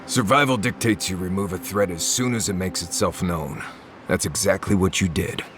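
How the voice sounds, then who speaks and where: An actor playing a suspicious, blunt wilderness guide in a video game, with dry, sardonic grumbling. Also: male voice, low voice, moderate pace, background noise, lightly acted. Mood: wary, dry. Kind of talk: naturalistic video game dialogue.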